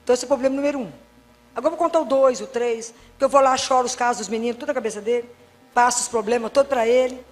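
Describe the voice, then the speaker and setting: A Catholic doctor giving a faith talk, telling anecdotes and acting out dialogues with wry humor. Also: female voice, fairly high pitch, rapid-fire, in a large hall. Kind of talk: preaching talk with lively anecdotes.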